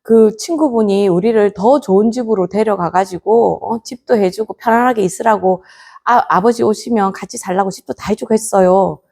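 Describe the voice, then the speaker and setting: A cheerful, grateful wife and child reassuring the father of the house in a spoken folk tale, as a woman plays them. The voice lifts brightly over a gravelly grain. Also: mid-range voice, moderate pace.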